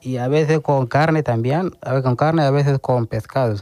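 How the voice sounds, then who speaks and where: A man from Sudan, a radio interview guest who speaks haltingly and searches for words. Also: medium pitch, darkish tone, no echo. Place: radio studio.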